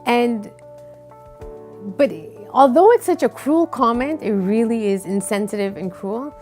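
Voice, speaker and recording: A woman's voice: a little high, unhurried, darkish tone, soft background music. A woman in her thirties giving earnest, candid personal testimony in an interview. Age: 30s.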